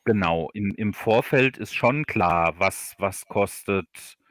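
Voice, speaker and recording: Halting low-voiced man in a dry recording. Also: a bit bright, no echo. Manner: halting, repeats words while explaining. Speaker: guest, audio drama author. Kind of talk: casual livestream interview.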